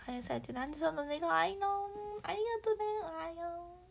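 A young woman chatting on a livestream, reading viewer comments and thanking fans, bubbly and chatty with soft whispery asides. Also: very high voice, animated, fast talker, gravelly. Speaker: idol livestreamer.

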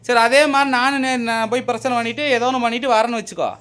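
A man's voice: extremely high pitch, steady tone, fast talker. Swearing man in a heated argument. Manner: defensive, swearing, rising to shouts. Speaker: husband.

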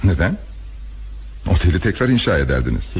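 Very deep-voiced insurance man. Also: sing-song, a little fast, husky, exaggerated voice. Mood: formal, probing. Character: smooth-mannered male insurance company agent. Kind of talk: crime radio drama acting.

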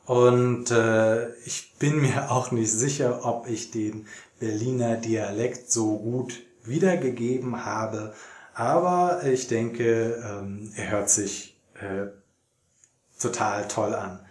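A young man teaching German to learners, speaking slowly and deliberately with many fillers, recorded in a small plain room. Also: mid-range voice. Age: young adult. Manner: very slow and deliberate, many fillers, animated reading. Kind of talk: slow, clear teaching for learners. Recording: roomy echoey room.

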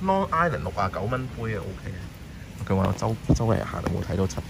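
A man's voice: lowish voice, fast, gravelly. A man with a Hong Kong Cantonese accent, live-streaming a walking tour on rainy night streets and chatting casually with viewers as he walks. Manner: chatty, talks to viewers and passers-by. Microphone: handheld phone camera. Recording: steady rain and passing traffic behind.

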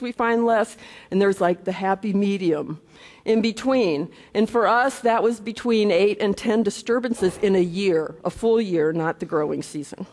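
Casting: woman scientist, mid-pitch, chatty lecture in a reverberant conference hall. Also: darkish tone. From United States. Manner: conversational, frequent okay and restarts. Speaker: conference speaker, entomologist.

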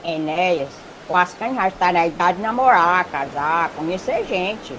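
A Brazilian woman playing a chatty, excitable male companion to a hero in an audio drama. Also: lowish voice, moderate pace, slight background noise, low-quality recording. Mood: teasing.

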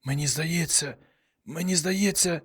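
A man voicing an elderly genius professor whose mind now lives in a dog's body, speaking hoarsely and carefully. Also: fairly high pitch, a little slow, pitched above the performer's own voice. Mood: hesitant.

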